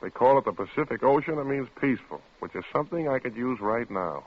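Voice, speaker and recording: An actor playing a put-upon, jobless husband in an old radio drama, weary, defensive and dry. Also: male voice, medium pitch, animated, fast talker, over loud music, lightly acted. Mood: tired, sardonic. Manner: curt, dry retorts. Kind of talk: 1940s-50s radio drama acting. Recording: muffled, noisy old phone-like radio recording.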